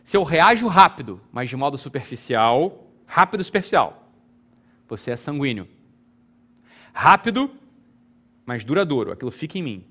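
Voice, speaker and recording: Speaking at a moderate pace with long pauses, this Brazilian teacher has a medium-pitched, sing-song, slightly bright voice. His informal lecture is emphatic, full of repeated phrases, restarts and rhetorical questions aimed at his listeners.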